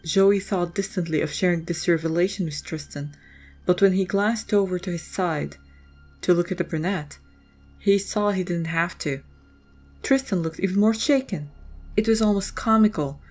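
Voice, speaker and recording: Female narrator, lower register, scripted dramatic storytelling with music underneath. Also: moderate pace, darkish tone.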